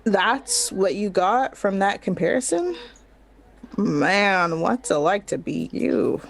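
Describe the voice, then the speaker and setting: A woman playing a sardonic, weary hospital patient in a drama, with a deadpan, biting delivery. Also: mid-range voice, slow pace, vocal fry, slight background noise. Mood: irritated. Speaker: actor in a recorded play. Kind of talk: dramatic scripted dialogue.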